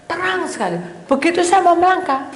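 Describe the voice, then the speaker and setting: High-voiced woman preaching in an echoey hall. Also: fairly quick, slight background noise. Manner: dramatic storytelling, acts out quoted voices, addresses congregation as "saudara". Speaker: pastor. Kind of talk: sermon testimony. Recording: echoey hall with long reverb, faint ambience.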